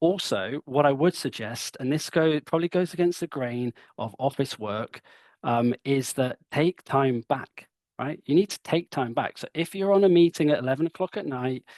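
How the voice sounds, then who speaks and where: Over a quiet background, a man with an English accent and a fairly high pitch speaks at a moderate pace with ordinary pitch variation, in a dry, close sound with no echo. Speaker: performance coach, presenter. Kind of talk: webinar Q&A. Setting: online webinar. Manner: casual, hesitant with many fillers.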